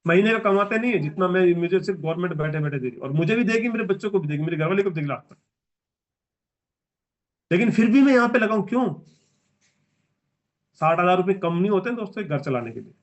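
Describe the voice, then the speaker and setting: A man's voice: high voice, expressive, fast, long pauses, highs cut off. A man in his forties giving a motivational business training speech, emphatic and repetitive as he exhorts the audience. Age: 40s.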